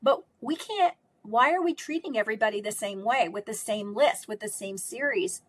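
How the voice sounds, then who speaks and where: A woman's voice: on the high side, expressive, normal speed, breathy edge. A middle-aged woman speech pathologist with a strong voice. She answers interview questions in an emphatic, conversational way and often ends her points with "right?". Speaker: speech pathologist and course instructor.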